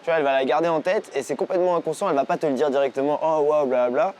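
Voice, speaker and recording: A man working as a dating coach, giving energetic, slangy coaching commentary out on a city street. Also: on the high side, very fast, slight background noise. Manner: energetic, casual slangy talk.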